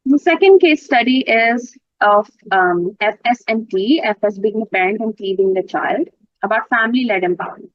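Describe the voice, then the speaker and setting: A woman's voice: on the high side, normal speed, no room sound. A woman from Pakistan, a native Urdu speaker, presenting mental health research at a conference in an explanatory way. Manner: explanatory, clarifies terms, occasional fillers. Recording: dull lo-fi dry sound.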